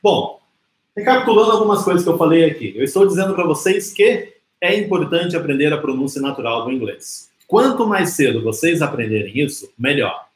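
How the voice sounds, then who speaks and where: A Brazilian man teaching an English lesson in Portuguese, slowing down to model English phrases. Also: a little high, big pitch swings, reverberant, poor audio. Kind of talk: live online English lesson.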